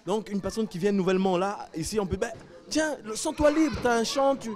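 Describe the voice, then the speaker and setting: A man with a slightly high voice speaks off the cuff about a church gathering. He hesitates often, filling gaps with small sounds, then lifts into eager bursts. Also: brisk, music in the background. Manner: hesitant, many fillers, grows animated. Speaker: church member interviewed. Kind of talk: spontaneous testimony.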